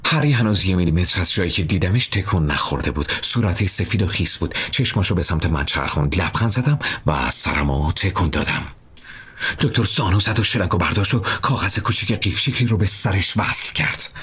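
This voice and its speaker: A man's voice: low voice, expressive, fairly bright tone, slightly rough. A man narrating a tense story in the first person, with careful, detailed storytelling. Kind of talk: audiobook storytelling.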